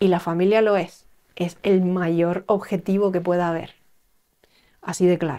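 Quiet background, a woman's fairly low, dark and mellow voice, flat monotone delivery, fairly slow pace with long, frequent pauses. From Spain. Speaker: I Ching and Chinese metaphysics teacher; Chinese metaphysics teacher. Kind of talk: solo educational video talk. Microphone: phone near.

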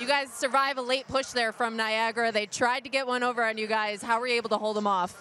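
A woman's bright, sharp, fairly high voice at a very fast pace with hardly any pauses, fairly even intonation, a dry sound with no echo and light background noise. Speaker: sideline reporter. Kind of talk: interview; sports sideline report and interview questions. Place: stadium. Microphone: handheld.

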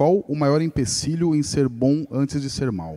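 Against a quiet background, a man speaks with a dark, mellow tone and ordinary pitch variation. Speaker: event presenter; presenter. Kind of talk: moderator reading audience questions. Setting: stage with audience in theater. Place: hall. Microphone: handheld.

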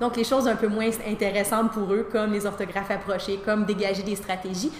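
A woman at a very fast pace, with light background noise and audible room echo. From Quebec. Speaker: teacher. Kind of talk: interview answer. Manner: casual, conversational. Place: classroom.

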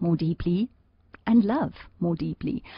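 A woman speaks at a fairly slow pace in a somewhat breathy voice with lively intonation, recorded dry with no echo against a quiet background. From South Africa. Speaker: radio talk show host. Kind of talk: radio interview. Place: studio.

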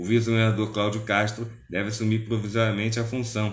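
The man's voice sits at a fairly low pitch and moves at a fairly quick pace. Audible room echo surrounds it. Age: 40s. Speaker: online news presenter; news presenter. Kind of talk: news reading. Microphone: lapel.

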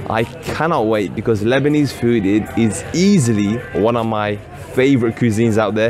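A man speaks at a moderate pace with fairly low pitch and ordinary pitch variation. The sound is dry with no echo, and faint music plays in the background. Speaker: food vlogger. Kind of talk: casual vlog chat. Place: cafe. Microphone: phone near.

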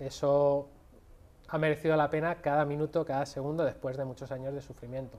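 This man has an unremarkable speaking voice, pitched fairly high. His intonation stays fairly even. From Spain, Toledo province (Castilla-La Mancha). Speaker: health coach and biohacker, aerospace engineer. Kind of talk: interview. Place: studio. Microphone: lapel.

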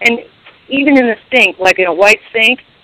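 The speaker keeps a moderate pace. Noticeable background noise is present. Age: 60s. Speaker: caller. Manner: halting.

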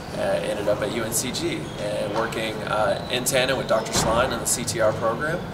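Loud background noise surrounds a man with an American accent. He talks at a fairly slow pace. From North Carolina, Raleigh. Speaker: graduate student. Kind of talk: interview testimonial. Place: hall.

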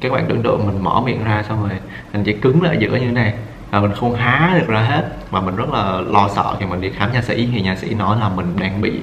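Amid light background noise and audible room echo, a man with a fairly low voice talks at a very fast pace with ordinary pitch variation. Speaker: vlogger. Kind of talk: casual vlog chat. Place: home room.

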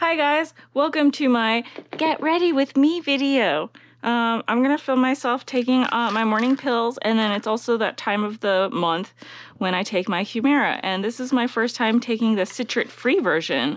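A woman speaks at a moderate pace and a high pitch. The sound is dry, with no echo. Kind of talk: casual vlog chat. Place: home room. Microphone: camera far.

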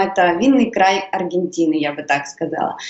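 The woman's voice carries audible room echo. Her pace is moderate. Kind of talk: interview answer. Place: home room. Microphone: webcam.

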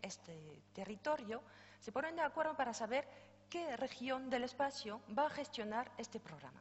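With a French accent, a woman speaks at a fairly high pitch with lively intonation. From France. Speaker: EU programme office head; conference presenter. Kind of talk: conference presentation. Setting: stage with audience. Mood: relaxed, lightly humorous. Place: stage.

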